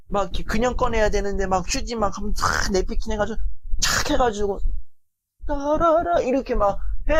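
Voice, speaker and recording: A lecturer giving a motivational talk in a colloquial, animated way, with lots of filler words, who acts out people's inner thoughts. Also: medium pitch, slight background noise, poor audio. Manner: repetitive filler-heavy phrasing.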